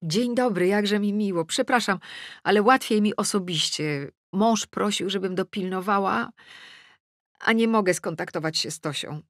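A woman's voice: medium pitch, moderate pace, dry recording, studio quality, pitched above the performer's own voice, natural voice. A woman reading an audiobook, voicing a sweetly polite, apologetic younger woman, the rival new wife, in formal manner.

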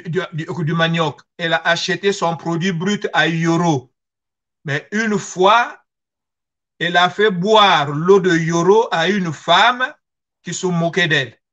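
High-pitched, slow Congolese man. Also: bright, forceful tone. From Congo-Brazzaville. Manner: earnest, emphatic, rhetorical questions. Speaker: guest speaker. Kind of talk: personal testimony on history and identity. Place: small furnished room at home, video call.

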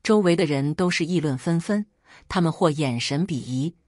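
A woman narrating a first-person story in a steady, measured reading. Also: low voice, no echo, clean studio sound.

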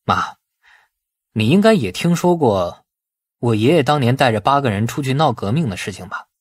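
A man acting a patient, husky young son. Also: medium pitch, expressive, normal speed, no echo, clean studio sound. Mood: patient explaining. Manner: explanatory, conversational. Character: patient young man reasoning with his mother.

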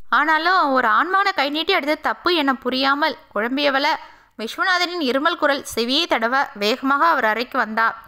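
Bright, high-voiced woman narrator. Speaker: audio novel narrator. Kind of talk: scripted narration.

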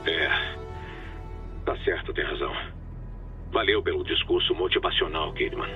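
A man with a Brazilian accent playing a gruff, bitter detective father in a dramatic video game. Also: extremely low pitch, normal speed, narrow, tinny audio, over music. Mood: sarcastic. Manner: gruff, cynical, sarcastic. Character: weary, bitter detective father hunting for his kidnapped daughter.

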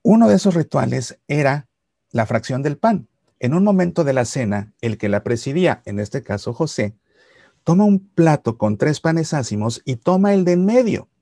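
A middle-aged man giving a Catholic reflection to camera, explaining patiently and slowing for solemn lines. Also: fairly high pitch, animated, no echo, clean studio sound. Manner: warm explanatory storytelling, slows for solemn lines. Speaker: Catholic YouTuber. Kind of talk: reflective religious talk to camera. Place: Seattle archdiocese series.

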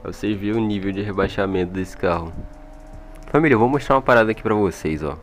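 Here a Brazilian-accented gaming video creator speaks at a quick pace in a lowish voice. His gameplay commentary is casual, slangy and conversational, captured through an old microphone with music in the background.

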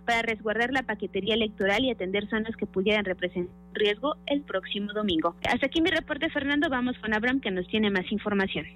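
A woman's voice: medium pitch, quick pace, hardly any pauses, fairly bright tone, a little hiss or hum, low-quality recording. A woman with a Mexican accent delivering a scripted news report.

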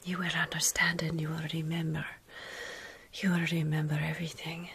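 A woman in her thirties voicing a tender, motherly vampire in a soft, soothing whisper for ASMR roleplay, close to the mic. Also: sits low, monotone, a little hiss or hum. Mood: reassuring, solemn. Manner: soothing, slow, reassuring. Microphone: close ASMR microphone.

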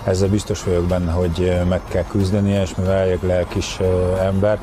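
A man's voice: deep voice, completely flat delivery, noisy background. A middle-aged man, a football coach, giving considered interview answers outdoors. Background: music.

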